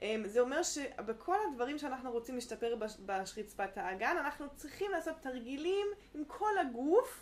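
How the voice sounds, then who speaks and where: A woman's high-pitched voice with a German accent and very wide pitch swings, over noticeable background noise. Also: moderate pace. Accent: German accent in Hebrew. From Germany, Munich. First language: German (speaking Hebrew). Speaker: physiotherapist. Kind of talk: interview. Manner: halting.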